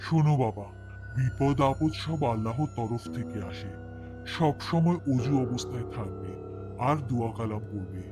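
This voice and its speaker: A man's voice: medium pitch, animated, normal speed, over music, lightly acted. A man playing a stern, pious madrasa cleric in a cartoon, admonishing and solemn. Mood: calm counsel. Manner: admonishing, with chanted prayer. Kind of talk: scripted cartoon acting.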